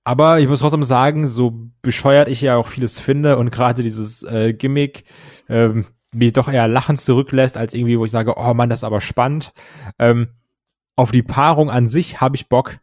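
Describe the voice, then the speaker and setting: A man's voice: medium pitch, steady tone, moderate pace, a little mellow, no echo. German guy on a podcast, hesitant, lots of ähms, dry close sound. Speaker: podcast co-host. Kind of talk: casual wrestling chat.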